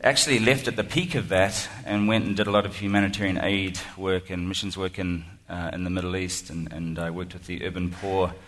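A man's voice: low voice, steady tone, brisk, hardly any pauses, a bit bright. A man with a New Zealand accent giving a self-deprecating, chatty speech to an audience, full of ums and restarts. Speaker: guest speaker. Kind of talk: humorous keynote speech. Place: lecture hall before an audience.

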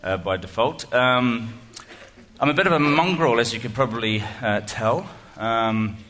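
A guest speaker with a New Zealand accent and a medium-pitched, somewhat bright voice gives a humorous keynote in a lecture hall before an audience. He's chatty and self-deprecating, full of ums and restarts.

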